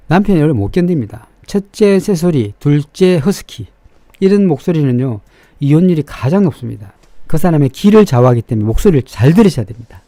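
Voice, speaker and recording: A middle-aged man with a slightly raspy, sharp-edged voice, explaining things informally and emphatically as an opinionated fortune-telling show host. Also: a little high, no echo. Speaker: fortune-teller and face reader hosting a show.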